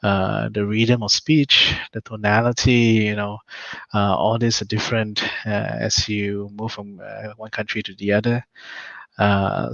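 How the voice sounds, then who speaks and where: A young man, thoughtfully sharing his experience in a casual discussion, often pausing on "uh". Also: lowish voice, creaky, fairly bright tone, dry recording. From Malaysia. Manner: thoughtful, frequent "uh" hesitations. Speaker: panel guest. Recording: dull lo-fi dry sound.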